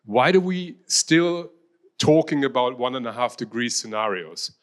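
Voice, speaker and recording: Presenting a slide talk, a German-accented university researcher in his fifties speaks at medium pitch with lively intonation. He restarts phrases often and leans on plenty of ums to fill the gaps.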